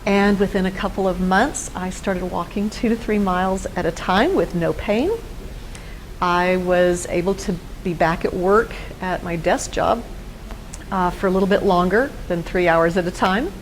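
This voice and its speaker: A woman's voice: on the low side, moderate pace, slight background noise, low-quality recording. A woman in her fifties from Texas, a guest telling her own story earnestly in a studio interview. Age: 50s. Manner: earnest storytelling, acts out quoted dialogue. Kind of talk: personal testimony in a studio interview.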